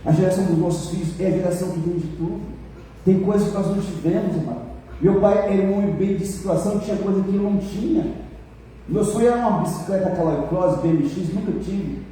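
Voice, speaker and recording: A man's voice: sits high, fast talker, mellow, slight background noise. A man with a Brazilian accent preaching a sermon, telling stories emotionally and addressing the congregation. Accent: Brazilian Portuguese. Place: church. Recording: echoey church hall, voice from far off.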